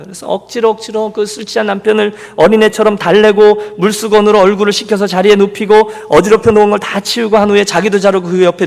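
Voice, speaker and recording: A male pastor with a high, creaky voice gives a Sunday sermon in a church sanctuary, telling a story and voicing its characters. The church hall's long reverb trails after his words.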